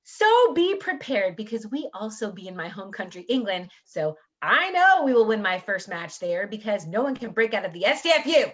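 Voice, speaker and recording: A woman's voice: mid-range voice, big pitch swings, moderate pace, hardly any pauses. A woman playing a cocky, trash-talking pro wrestler in a staged reading, boastful and taunting. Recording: dull lo-fi audio.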